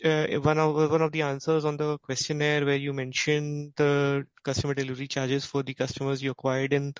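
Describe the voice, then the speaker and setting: A man with an Indian accent asking questions as a financial analyst on an earnings call, in a halting, self-interrupting way. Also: medium pitch, clean tone, no room sound. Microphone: conference call line. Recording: dull, lo-fi conference call audio.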